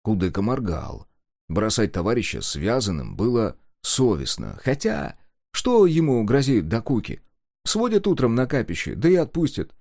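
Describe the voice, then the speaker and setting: A man narrating a fairy-tale audiobook with a lively storytelling manner. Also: medium pitch, moderate pace, no echo, clean studio sound.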